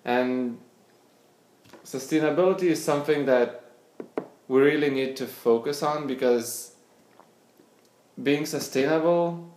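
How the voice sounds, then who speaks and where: A man's voice: fairly high pitch, a little slow, long pauses, darkish tone, a little hiss or hum. A young man from Lithuania, answering interview questions hesitantly, often repeating words as he searches for them. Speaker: interview guest, scientist and startup founder. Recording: echoey room.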